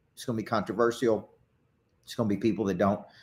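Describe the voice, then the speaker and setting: Speaking with a Southern US accent, a man keeps to a medium pitch. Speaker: motivational coach and author. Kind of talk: casual monologue to camera. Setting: at his lodge. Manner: animated.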